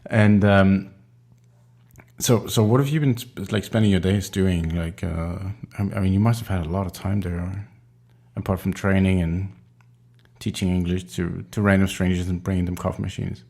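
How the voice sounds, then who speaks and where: Very deep gravelly-voiced man host. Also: moderate pace. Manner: relaxed, joking, short prompts. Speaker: podcast host. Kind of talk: casual interview.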